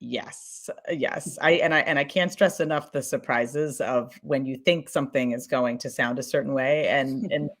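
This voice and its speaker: A woman's voice: a bass voice, normal speed, few pauses. A woman talking casually as a podcast producer in a discussion, effusive and emphatic, giggly and rambling as she goes.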